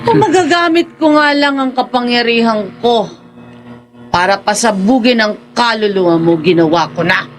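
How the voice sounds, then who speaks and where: A woman's voice: a little high, normal speed, noisy background, close to an everyday voice. A woman acting in a radio drama as a ruthless gang boss with black magic, taunting and commanding in a theatrical way. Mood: defiant, threatening.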